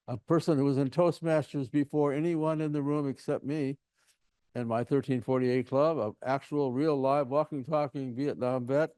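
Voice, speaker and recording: A man's voice: medium pitch, mellow, dry recording. An older man giving informal meeting announcements as the host, rambling and emphatic in his endorsements.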